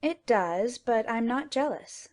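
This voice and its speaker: A woman voicing a frank young woman who speaks calmly and drily. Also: fairly high pitch, moderate pace, lightly acted. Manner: calm, dry and frank.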